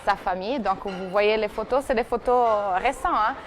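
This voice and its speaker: A woman's voice: medium pitch, normal speed. A woman presenter on a TV talk show recounting someone's story, with frequent fillers and restarts. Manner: hesitant, many fillers and restarts. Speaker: TV segment presenter. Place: TV studio. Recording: TV studio broadcast with faint noise.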